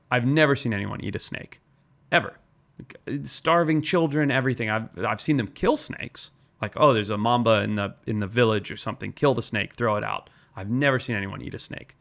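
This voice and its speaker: A man's voice: on the low side, a little fast, vocal fry, fairly bright tone. A man from Zimbabwe, a wildlife biologist guest, explaining and telling stories in an earnest podcast talk.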